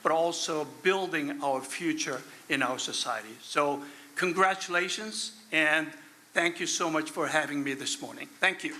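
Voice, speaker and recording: Man with a very bright, sharp voice. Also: fairly high pitch, normal speed, a little hiss or hum. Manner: polite, gracious. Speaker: guest speaker. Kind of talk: closing remarks of a ceremony speech.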